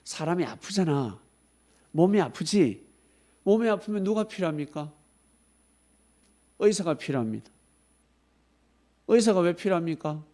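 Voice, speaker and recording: A man preaching a sermon at a youth service, asking the students questions and calling on them by name. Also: fairly high pitch. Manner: animated, acts out scolding voices, asks the listeners questions. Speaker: pastor.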